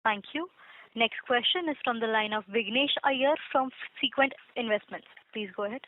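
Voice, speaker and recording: A woman's voice: on the high side, normal speed. A woman making formal announcements as a conference call operator. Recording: narrow phone line.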